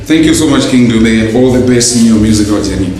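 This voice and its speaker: A man's voice: mid-range voice, animated, fast. A man interviewing a musician at a bar, hesitant and full of fillers. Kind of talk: casual interview. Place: sports bar with music playing. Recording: roomy echo with loud music behind. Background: hip hop music.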